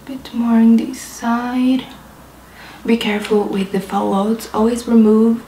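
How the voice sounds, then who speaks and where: Chatty young Brazilian woman, mellow voice. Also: a little high, steady tone, a little slow, roomy sound, faint music behind, low-quality recording. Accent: Brazilian Portuguese. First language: Portuguese. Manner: chatty, laughs often, describes each step. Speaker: beauty vlogger. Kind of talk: makeup tutorial chat. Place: apartment in a big city.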